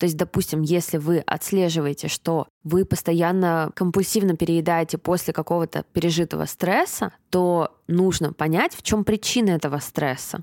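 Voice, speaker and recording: A woman with an unremarkable speaking voice talks at a moderate pace with hardly any pauses, her pitch fairly low and her intonation fairly even. Her loudness stays very even, and the recording is very clean, dry and close, with a silent background and no echo. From Moscow, Russia. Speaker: podcast host. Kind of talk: casual Q&A monologue.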